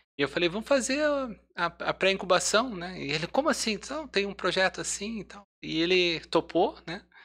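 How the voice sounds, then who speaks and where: This man speaks in a high pitch with a bright, sharp tone and big swings in loudness. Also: moderate pace, very clean recording, silent background. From northern Paraná, Brazil (Londrina region). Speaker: business consultant and lecturer. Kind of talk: casual interview chat. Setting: studio.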